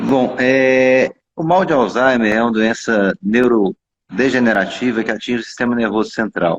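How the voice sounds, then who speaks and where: A man speaks with a Minas Gerais accent at a medium pitch and moderate pace. His loudness stays very even, and the sound is dry and close with no echo. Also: ordinary pitch variation. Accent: Minas Gerais accent, still kept. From Brazil, Minas Gerais. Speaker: neurologist. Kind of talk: interview.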